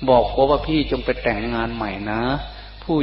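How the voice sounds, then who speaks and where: There is audible room echo and light background noise. A man is speaking. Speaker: Buddhist monk teacher. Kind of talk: sermon. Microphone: old recording.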